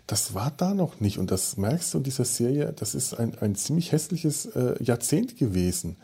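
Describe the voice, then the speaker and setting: A man's voice: medium pitch, big pitch swings, normal speed, gravelly, mellow, breathy edge. A man co-hosting a podcast, talking casually with many fillers and restarts. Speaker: podcast host.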